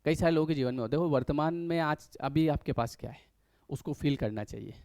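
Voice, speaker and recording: A man's voice: fairly high pitch, quick pace, darkish tone, no echo. A man giving a casual motivational talk to viewers as a life coach, speaking in a conversational way and acting out little everyday scenes. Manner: conversational, acts out little scenes in other voices.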